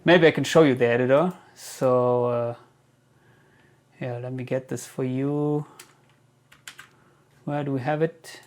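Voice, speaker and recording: A man giving a casual gear Q&A as a reviewer, speaking haltingly as he thinks aloud. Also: mid-range voice, steady tone. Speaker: guitar gear reviewer answering viewer questions. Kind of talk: casual product Q&A talk.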